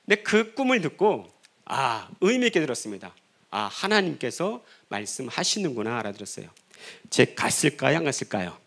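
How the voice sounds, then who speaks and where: A man's voice: medium pitch, very animated, moderate pace, vocal fry, fairly bright tone. A middle-aged man, a pastor, preaching a sermon and telling his own story with rhetorical questions and acted-out dialogue. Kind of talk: sermon testimony. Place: church sanctuary.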